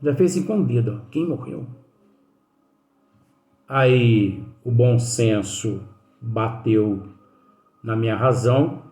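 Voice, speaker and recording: A man's voice: mid-range voice, slow pace, dark tone. A man giving a spiritist study lesson in a conversational way, telling anecdotes and often tagging sentences with questions to his listeners. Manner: chatty, leans on tag questions. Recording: echoey room with faint music.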